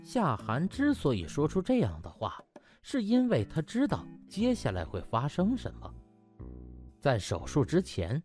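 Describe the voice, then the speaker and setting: A man's voice: medium pitch, darkish tone. A man reading a story as an audiobook narrator, dramatic and emphatic in his scripted delivery.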